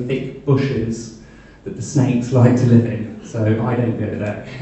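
Strong room echo surrounds a speaker with an East Midlands accent who keeps a moderate pace and fairly even intonation. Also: man. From England. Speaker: English teacher. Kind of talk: public lecture. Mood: light, humorous. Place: hall.

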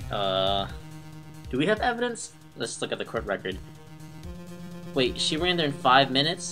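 A man speaks at a moderate pace in a fairly high pitch with very wide pitch swings and long, frequent pauses while music plays in the background. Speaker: let's play video game commentator. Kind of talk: casual video game commentary, reading game dialogue aloud.

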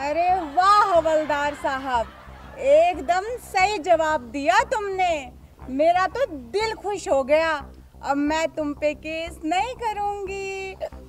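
A woman at an extremely high pitch and a very slow pace, with faint music in the background. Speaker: comic lead in staged skit. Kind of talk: acted comedy dialogue. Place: open country.

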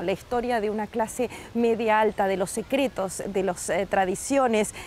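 Recorded dry with no echo, an ordinary speaking voice shows ordinary pitch variation over light background noise. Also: woman. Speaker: TV show host. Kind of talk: TV interview host talk. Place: garden. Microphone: lapel.

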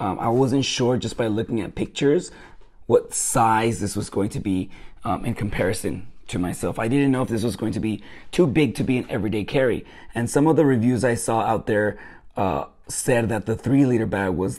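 A man at a fairly quick pace, ordinary pitch variation, quiet background. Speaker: product reviewer. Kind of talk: product review vlog. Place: home room. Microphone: lapel.

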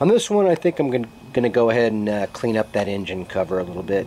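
Light background noise runs under this clip. A man talks at a moderate pace. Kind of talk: tutorial. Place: street. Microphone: camera far.

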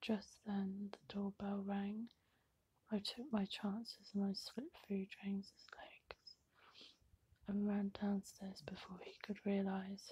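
A soft-spoken voice moves at a very slow pace, with a dry sound and no echo. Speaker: reader of a children's book. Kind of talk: reading a story aloud. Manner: soft ASMR story-reading voice. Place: home room. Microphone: phone near.

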